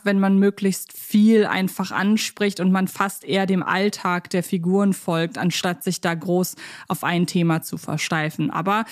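A woman co-hosting a casual podcast chat, thoughtful and groping for words through long, winding sentences. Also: mid-range voice. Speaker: podcast co-host. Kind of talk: casual chat reviewing children's audio dramas.

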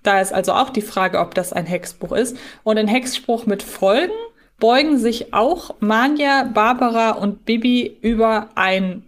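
A woman's voice: a little high, a little slow. A woman co-hosting a fan podcast, explaining details analytically in a conversational way. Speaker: podcast co-host.

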